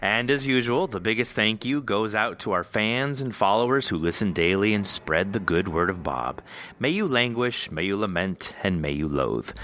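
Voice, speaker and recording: A man's voice: on the low side, animated, moderate pace, a bit bright. A man hosting a casual interview, informal, enthusiastic and encouraging with his guest. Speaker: podcast host interviewing an author.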